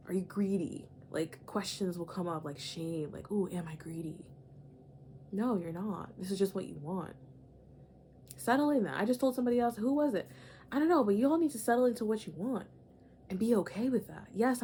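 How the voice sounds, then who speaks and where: A woman's voice: medium pitch, mellow, a little hiss or hum. A woman giving a casual, emphatic spiritual monologue, repeating phrases and saying "like" and "y'all" often. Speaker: astrology channeler.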